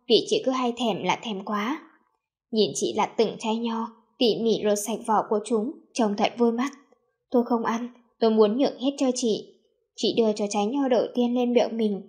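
Woman narrating a story, a touch high. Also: a little mellow. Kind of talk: first-person story narration.

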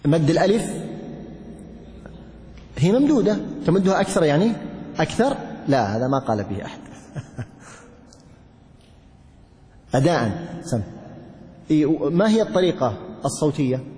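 A male religious teacher giving a classroom lesson, explaining step by step, quizzing his students and chanting verses slowly. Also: fairly high pitch, big pitch swings, mellow, big-room sound. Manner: recites verses in a slow chant.

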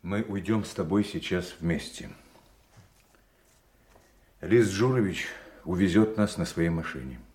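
A decisive male undercover operative in an audio drama. His voice is deep. He speaks in a businesslike, clipped and courteous manner, as a man used to organizing secret moves. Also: lively intonation, a little slow, long pauses, a little mellow.

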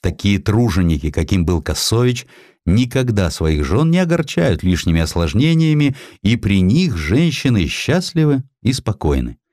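A man reading a historical literary sketch in an expressive storytelling manner. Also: on the low side, moderate pace, dry recording, clean studio sound. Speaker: audiobook narrator.

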